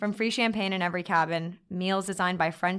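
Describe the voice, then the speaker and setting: A woman with an unremarkable speaking voice, fairly low pitch, fairly even intonation and a fairly quick pace, in a very clean recording with a silent background. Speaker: podcast host. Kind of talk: scripted ad read and intro.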